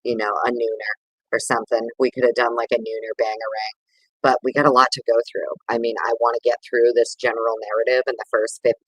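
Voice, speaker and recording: A man's voice: mid-range voice, little pitch movement, fast, breathy edge, no echo, rough recording. A man hosting a casual livestream, chatting with viewers in a rambling, over-caffeinated, sweary way. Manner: informal, sweary slang. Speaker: livestream host.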